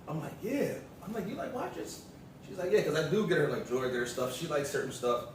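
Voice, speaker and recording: Casual American male vlog co-host, slangy storyteller, mid pitch, heavily reverberant room with clear background noise. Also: big pitch swings, fast. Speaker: vlog co-host, the vlogger's partner. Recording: roomy echo, distant mic, noisy background.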